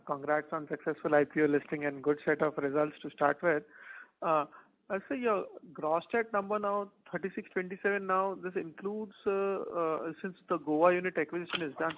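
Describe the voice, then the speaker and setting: A man with an Indian accent, an analyst putting halting, fragmented questions on an investor call by phone. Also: sits high. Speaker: financial analyst asking questions. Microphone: telephone. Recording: tinny phone-line audio.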